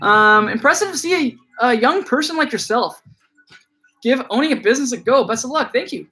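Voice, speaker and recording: A man's voice: very high-pitched, lively intonation, brisk, bright, forceful tone, soft background music. A man in his late twenties, a bike shop owner, chatting loosely on a live stream and reading out viewer comments, with many fillers and restarts. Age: 20s.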